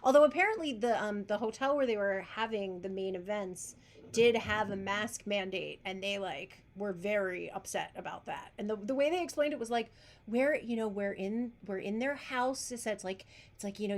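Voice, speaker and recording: A woman chats wryly on a live online hangout and tells her stories with animation. Her voice has a creaky, gravelly edge, and it sits at an ordinary middle pitch. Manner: chatty, wry, animated storytelling. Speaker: band member hosting a live hangout. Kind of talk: casual livestream chat.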